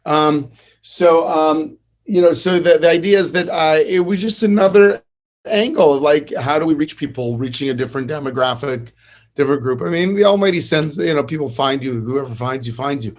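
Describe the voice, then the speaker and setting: A man's voice: fairly high pitch, moderate pace. A middle-aged man, a rabbi, talking in a podcast interview, telling stories and teaching with many restarts and fillers. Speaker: rabbi and podcast host, guest.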